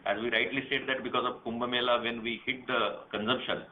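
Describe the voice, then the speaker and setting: A man's voice: medium pitch, flat delivery, fairly quick, a little hiss or hum. Indian executive man on a tinny phone line. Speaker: company senior manager answering analysts. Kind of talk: earnings call answers.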